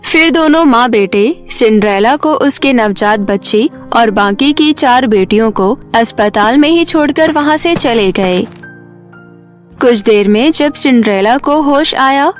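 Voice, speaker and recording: High-pitched woman narrating a story. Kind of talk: scripted children's story narration.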